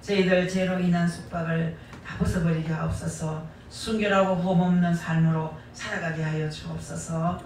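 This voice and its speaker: A woman's voice: on the low side, fairly even intonation, moderate pace, hardly any pauses, a little mellow, slight background noise. A middle-aged woman with a Gyeongsang Korean accent preaching a sermon, emphatic and folksy, repeating key phrases for weight. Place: church sanctuary. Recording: echoey church hall, distant mic.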